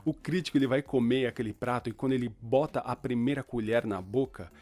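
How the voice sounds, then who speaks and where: A man's voice: medium pitch, brisk, a little mellow. A young man from Chile with no accent, hosting a casual Christian podcast in a chatty, informal way. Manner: chatty, informal, fillers like "cara". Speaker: podcast host.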